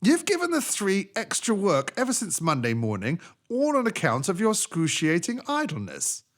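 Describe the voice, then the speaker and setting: A man's voice: sits high, huge pitch swings, normal speed, pitched above the performer's own voice. A man voicing a stern, wily magical djinn of the desert in a storybook, emphatic and admonishing. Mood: stern warning.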